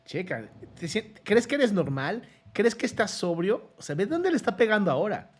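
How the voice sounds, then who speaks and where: A man with a Mexican accent, a psychologist giving casual, animated commentary on a recording and imitating what others say. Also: high voice, normal speed. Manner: animated, mimics voices when quoting; colloquial and frank, with some swearing. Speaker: psychologist reacting to trial footage.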